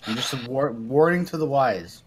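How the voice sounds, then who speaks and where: A man's voice: mid-range voice, lively intonation, moderate pace, a crowd in the background, poor audio. A man playing a tabletop roleplay game, chatting casually in a blunt, dry manner. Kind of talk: casual chat.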